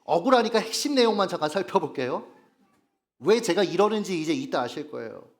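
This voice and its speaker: Animated male pastor preaching a sermon. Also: high-pitched, fairly quick. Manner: asks the congregation frequent rhetorical questions; earnest and emphatic, stressing key phrases. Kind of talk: Sunday sermon. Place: church worship service.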